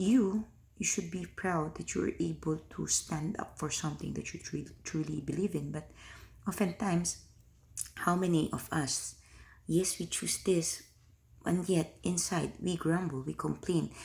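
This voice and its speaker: A woman whispers with vocal fry at a fairly slow pace. The recording is very clean, with a silent background. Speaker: life coach. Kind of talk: video diary reflection. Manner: whispering; unscripted, halting.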